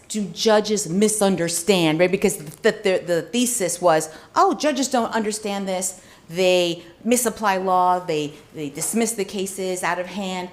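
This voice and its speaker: A woman professor answering questions after an academic talk in an analytical, measured manner. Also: medium pitch. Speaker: law professor giving a book talk and taking questions.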